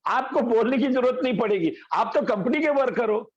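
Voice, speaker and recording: A man's voice: very high voice, animated, normal speed, muffled recording. A male pastor preaching a sermon, telling folksy anecdotes and stories, over an online call. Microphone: video call.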